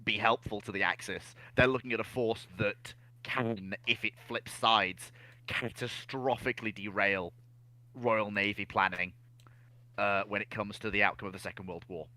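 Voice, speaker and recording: Bright-voiced man analysing history. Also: lowish voice, fairly even intonation, normal speed, no echo. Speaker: naval history discussion panelist.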